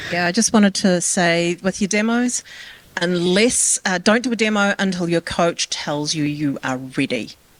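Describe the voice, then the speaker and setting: A woman with fairly low pitch speaks with lively intonation. Noticeable background noise runs behind her. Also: moderate pace. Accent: New Zealand. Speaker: voice actor. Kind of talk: panel remarks at a conference talk.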